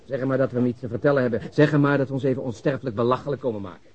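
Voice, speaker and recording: A man playing a gruff, skeptical police detective in a radio drama, brusque and sardonic. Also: medium pitch, rapid-fire, darkish tone, natural voice. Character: gruff, skeptical male police detective, grudgingly following along. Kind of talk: Dutch radio drama acting. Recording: dull, lo-fi radio drama recording.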